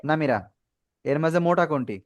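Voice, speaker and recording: A man's voice: on the high side, fairly quick, lo-fi sound. Patient male teacher on a video call. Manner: patient, prompting and praising pupils. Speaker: Quran teacher. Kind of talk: online class instruction.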